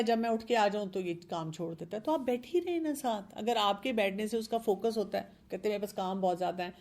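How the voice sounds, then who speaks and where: A woman's voice: medium pitch, darkish tone. A middle-aged woman, a parenting expert, earnestly explaining discipline with examples from her own children and mixing in English words. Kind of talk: advice talk on a show.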